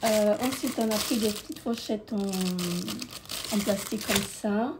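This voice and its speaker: A woman's voice: mid-range voice, takes it slowly. A woman vlogger casually showing her holiday purchases indoors, hesitating often with filler sounds. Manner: hesitant, many filler sounds, repeats "comme ceci". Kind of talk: casual holiday haul vlog. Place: indoors at a holiday rental near the beach. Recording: crinkling packaging noise close by.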